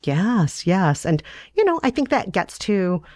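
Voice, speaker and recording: A woman chatting reflectively and conversationally as a host on a relaxed bedtime podcast. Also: mid-range voice, unhurried, dry recording, clean studio sound.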